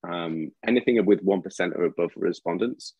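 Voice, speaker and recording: A low-voiced man with a husky grain moderates a webinar panel over a video call. He talks in a relaxed, conversational way as he moves through slides. The sound is dry and slightly muffled. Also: a little fast, dry recording.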